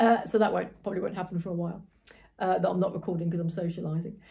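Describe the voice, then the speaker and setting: A woman talks in a fairly low pitch. Her tone is dark and mellow, and somewhat breathy. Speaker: craft podcaster. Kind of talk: casual chat. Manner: fast; halting.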